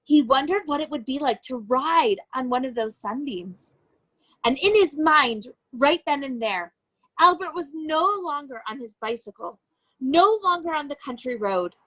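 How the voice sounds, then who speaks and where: High-pitched woman reading a storybook aloud. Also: rough recording. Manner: expressive, deliberate phrasing with emphasized key words. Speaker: educator reading a children's book aloud. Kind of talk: children's storybook read-aloud.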